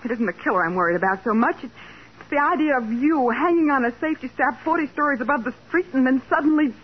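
An actress playing a detective's anxious, devoted young secretary, with an American accent and an emotive, fretful manner in 1940s radio drama style. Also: female voice, sits high, fast talker, slightly rough. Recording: dull, noisy 1940s radio recording.

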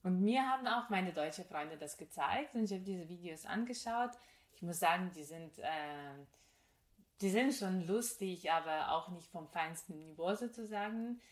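Woman, 30s, podcast co-host, reflective, word-searching, lowish voice, roomy echo. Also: expressive, moderate pace. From Ukraine. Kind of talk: casual conversational podcast. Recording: echoey room.

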